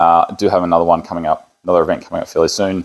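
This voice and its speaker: In an Australian accent, the man races through his words very fast. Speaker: car vlogger. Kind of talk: casual vlog talk.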